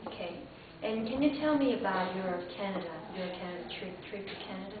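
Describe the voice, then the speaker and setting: A woman interviewing a job applicant, asking questions in a halting way and rephrasing them. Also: medium pitch, lively intonation, a crowd in the background. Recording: distant echoey lo-fi recording with hiss.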